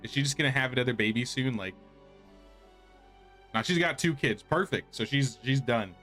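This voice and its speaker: This game streamer has a mid-range, sharp-toned voice and talks at normal speed. He rambles casually through his gameplay, narrating his thoughts as they come, with game music playing underneath.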